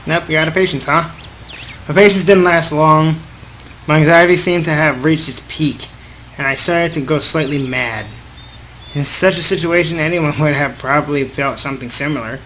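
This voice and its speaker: Higher-voiced man reading a game aloud, noisy recording. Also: a bit bright. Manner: informal, halting read-aloud with off-script remarks. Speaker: gaming video host. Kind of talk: reading a visual novel aloud with casual asides. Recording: clearly audible background noise.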